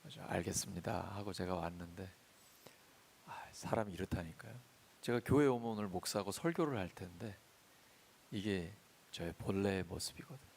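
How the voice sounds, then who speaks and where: A man preaching a sermon as pastor in a church, swinging between loud emphatic lines and soft confiding storytelling. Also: deep voice, moderate pace, vocal fry, a little hiss or hum. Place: church sanctuary.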